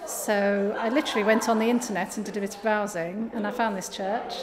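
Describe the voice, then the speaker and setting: A woman's voice: mid-range voice, fairly even intonation, brisk, in a large hall, very noisy. A middle-aged woman telling, in a plain and friendly way, how she found the church.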